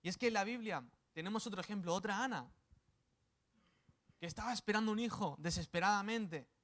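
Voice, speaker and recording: A man's voice: high-pitched, a little fast, a bit bright. A man from Spain preaching a sermon, with playful asides and acted quotes. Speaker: pastor.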